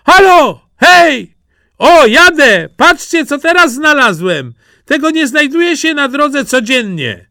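A man voicing a cheerful, simple-minded young peasant lad who shouts happily as if from a distance, in a storybook reading. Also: high voice, huge pitch swings, slow pace, clear, resonant tone, no echo, studio quality, voice pushed up, full character voice. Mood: gleeful shouting. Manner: shouting gleefully from afar.

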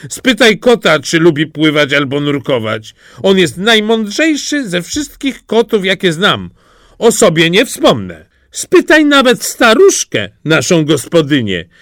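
A man's voice: high-pitched, sing-song, unhurried, a bit bright, no room sound, clean studio sound, voice pushed up, full character voice. A man voicing a bossy, self-important female hen in a storybook, speaking in a haughty, scolding way.

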